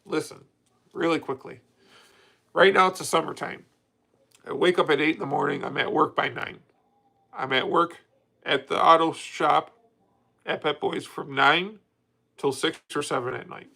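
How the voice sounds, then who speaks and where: Gravelly-voiced man in his thirties. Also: fairly high pitch, fairly even intonation, moderate pace, long pauses, sharp tone, poor audio. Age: 30s. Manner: rambling, candid, frequent restarts. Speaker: livestream host. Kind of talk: casual livestream chat reading comments.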